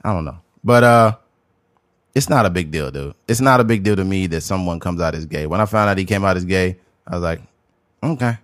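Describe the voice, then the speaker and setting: A man's voice: low voice, fairly quick, no echo, studio quality. A man co-hosting a podcast in casual chat, talking loosely and rambling with lots of filler words. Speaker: podcast co-host.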